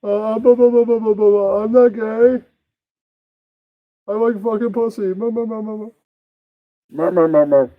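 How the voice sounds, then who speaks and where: A crude comedy puppet, voiced by a man, bickers in a high, blustering voice. It babbles nonsense and argues bluntly. The sound is dry and slightly dull. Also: unhurried, long pauses, no room sound. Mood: defensive, blustering. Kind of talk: improvised adult puppet comedy.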